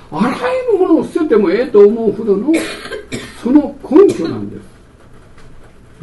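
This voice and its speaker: A middle-aged man preaching a sermon as pastor, telling stories animatedly and acting out scenes. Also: high voice. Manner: animated storytelling, acts out scenes. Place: church sanctuary. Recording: echoey church hall from far off.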